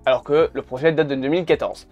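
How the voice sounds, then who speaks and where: A man's voice: mid-range voice, fairly even intonation, fast talker, lo-fi sound. A man, chatting casually and bluntly to camera, swearing now and then. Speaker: YouTuber. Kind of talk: casual video commentary. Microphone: camera mic. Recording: faint background music.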